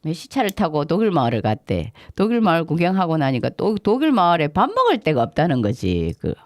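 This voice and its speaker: A middle-aged woman with a Gyeongsang accent, co-hosting a community radio show and telling stories in an animated way, acting out the voices of people she quotes. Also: low-pitched, brisk, dry recording, clean studio sound. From Namhae, South Korea. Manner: animated retelling, acts out quoted dialogue. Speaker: radio co-host and tour guide. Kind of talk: casual radio chat, storytelling. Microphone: studio microphone.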